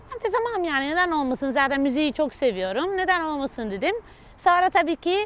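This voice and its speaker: With very wide pitch swings, a woman speaks at a moderate pace in a high pitch. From Italy (Perugia). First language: Italian (speaking Turkish). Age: 20s. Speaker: orchestra conductor. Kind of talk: interview monologue. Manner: halting, many filler sounds.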